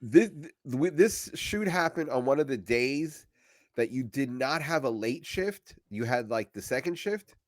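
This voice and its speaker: A man's voice: medium pitch, expressive, unhurried, dry recording, studio quality. A man co-hosting a podcast, telling stories animatedly, stammering at times and acting out quotes. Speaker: podcast co-host. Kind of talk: casual chat, storytelling.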